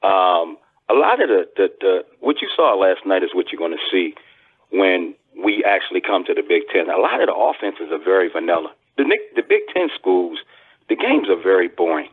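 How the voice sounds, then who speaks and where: A man comes through a narrow, tinny phone line as a call-in guest, his voice low and a bit husky. He rambles in a relaxed way, circling back and repeating words, and his pitch swings up and down a lot as he talks. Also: normal speed. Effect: over the phone. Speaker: caller. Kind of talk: casual call-in talk.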